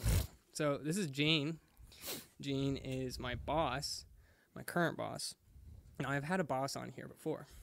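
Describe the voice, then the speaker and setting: A man speaks with a fairly high pitch and fairly even intonation, leaving long, frequent pauses. The recording is very clean, with a silent background. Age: 20s. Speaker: podcast host. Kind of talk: casual chat. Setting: home studio.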